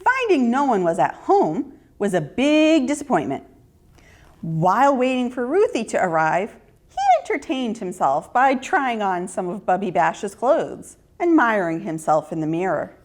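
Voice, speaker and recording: Slow, expressive woman storyteller. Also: mid-range voice. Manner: expressive, deliberate. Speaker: children's storyteller. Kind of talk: scripted storybook narration.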